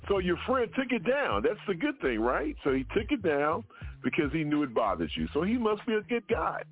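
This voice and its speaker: A man hosts an opinion talk show and argues his case with force, stacking up repeated words as he goes. His voice sits a little high and swings widely in pitch. The sound is dry and narrow, like a phone line. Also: wildly swooping pitch, brisk, slightly rough, faint music behind. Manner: emphatic, repeats words when interrupted. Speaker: radio show host.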